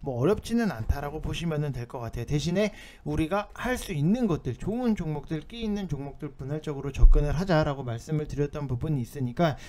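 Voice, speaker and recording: Fast and expressive with few pauses, this man's slightly high, mellow voice carries an informal market commentary over on-screen notes. His explanations come across as insistent and somewhat urgent.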